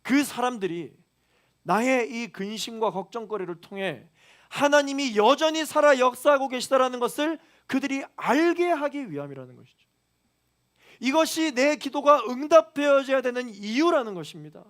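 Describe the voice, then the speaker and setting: A man's voice: extremely high pitch, animated, normal speed, fairly bright tone. A male pastor preaching a sermon to a young adults' congregation, building emphasis as he goes. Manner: preaching with rising emphasis and quoted prayers. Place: church youth hall.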